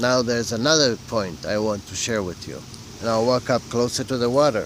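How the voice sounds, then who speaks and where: Over noticeable background noise, a man speaks at a moderate pace in a medium pitch. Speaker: vlogger giving life advice. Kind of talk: casual vlog monologue. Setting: outdoors by the sea. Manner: repetitive, conversational.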